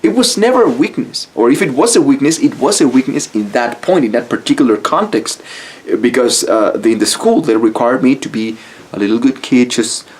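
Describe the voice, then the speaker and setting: A man's voice: mid-range voice, animated, a little fast, a little mellow. A man from Mexico with a Mexican Spanish accent, speaking English as a second language, giving a blunt, casual motivational talk to camera and swearing freely. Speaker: YouTube style coach.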